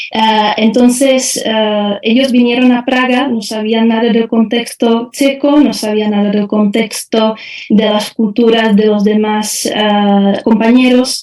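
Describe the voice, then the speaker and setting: A woman with a Czech accent speaks at a very slow pace, with hardly any pauses and a fairly high pitch. Her intonation is monotone and flat, and there is noticeable background noise. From Czech Republic. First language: Czech (speaking Spanish). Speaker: university lecturer. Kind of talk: presentation. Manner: halting with frequent fillers.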